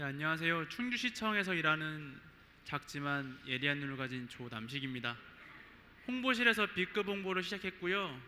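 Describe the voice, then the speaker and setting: A city official introduces himself with a witty, punchy delivery. His voice is very bright and somewhat high for a man, and it echoes through a hall over faint ambience. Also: a little hiss or hum. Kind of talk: self-introduction on a panel.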